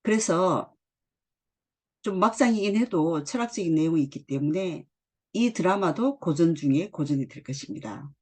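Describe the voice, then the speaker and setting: A middle-aged woman with a husky, low voice teaches English through drama dialogue. She reads each line slowly and then explains it, with a lively, rising and falling delivery.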